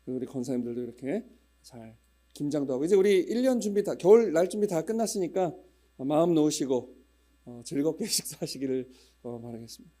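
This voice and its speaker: Chatty middle-aged male pastor, dark voice. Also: fairly high pitch, fairly quick. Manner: chatty, humorous storytelling with regional dialect imitations. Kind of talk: casual church announcements before a sermon.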